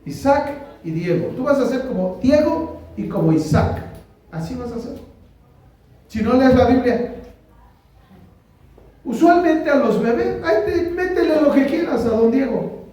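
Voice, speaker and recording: Speaking at a measured pace with frequent pauses, a Mexican Spanish-accented pastor uses an extremely high, warm voice with lively intonation. His sermon is conversational, and he often asks the congregation questions. Faint noise and heavy echo mark this far-off recording in a church hall.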